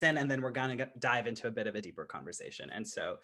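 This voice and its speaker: A man hosts a discussion in a mid-pitched, very bright voice. His style is conversational and affirming, and he often thinks aloud as he goes. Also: lively intonation, quick pace. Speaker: roundtable facilitator. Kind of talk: conversational hosting.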